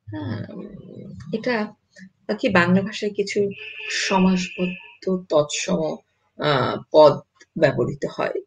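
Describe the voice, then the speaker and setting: A language teacher giving an online pronunciation lesson, speaking haltingly with many "uh" fillers, repeating each example word and checking in with "yes?". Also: mid-range voice, vocal fry, a little mellow, poor audio. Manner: slow, halting delivery with frequent "uh" fillers.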